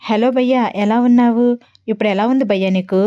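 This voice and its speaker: A woman voicing a calm, polite young man who speaks softly and conciliatorily, in a dull, dry recording. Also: fairly high pitch, brisk, no room sound, close to an everyday voice. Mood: mild.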